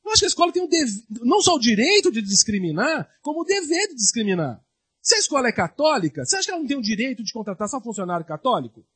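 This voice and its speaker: Male pastor, sermon delivery; high, husky voice, lively rhetorical questions. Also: racing.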